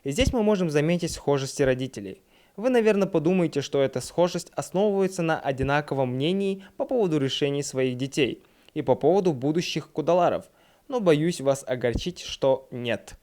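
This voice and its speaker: A man's voice: on the high side, lively intonation, brisk, darkish tone. A man narrating a scripted comedic film review in a mocking, sarcastic manner. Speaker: film reviewer and video host.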